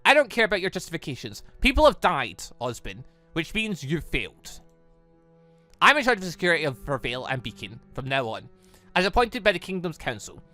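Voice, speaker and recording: A man acts out a stern military commander in a visual novel, with a bright, forceful voice. He is blunt and accusatory, giving orders angrily over faint music. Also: a little high, sing-song, brisk. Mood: angry. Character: stern, angry male military security chief. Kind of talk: visual novel dialogue reading.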